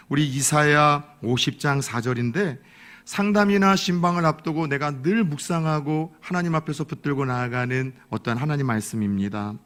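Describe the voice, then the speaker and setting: Male pastor, sermon delivery, bright forceful tone, slightly high pitch, earnest with folksy asides. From Korea. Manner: earnest preaching with folksy humor.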